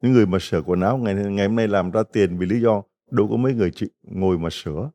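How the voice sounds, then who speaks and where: A man's voice: fairly low pitch, rapid-fire, warm tone. A middle-aged man, a Catholic priest, giving a folksy retreat homily full of stories and rhetorical questions to the congregation.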